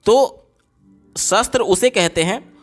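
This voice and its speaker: High-voiced man tutoring through exam questions. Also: takes it slowly, faint music behind. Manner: explains step by step, often repeating "ye galat ho gaya". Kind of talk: exam paper walkthrough.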